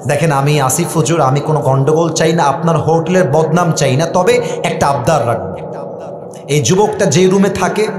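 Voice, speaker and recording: A Bangladeshi male preacher tells a story in a high voice that rings with long reverb. His delivery is dramatic, slipping into dialogue and the odd English phrase, as in a sermon. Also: normal speed, a little mellow, soft background music. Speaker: Islamic preacher. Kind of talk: sermon-style anecdote telling. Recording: echoey hall with long reverb.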